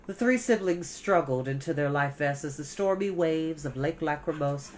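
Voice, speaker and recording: A low-pitched woman reads a storybook aloud as host of a storytime. Her delivery is expressive, leaning carefully on key words. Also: moderate pace, slight background noise.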